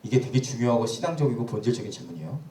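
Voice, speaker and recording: Male pastor, mellow and animated, rhetorical-question sermon style, distant roomy church recording. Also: mid-range voice, racing. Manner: conversational preaching with rhetorical questions. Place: church sanctuary.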